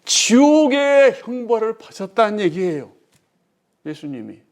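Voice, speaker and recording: A male pastor giving a sermon, driving his points home with rhetorical questions and swinging between loud emphasis and hushed, quiet phrases. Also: sits high, sing-song, measured pace.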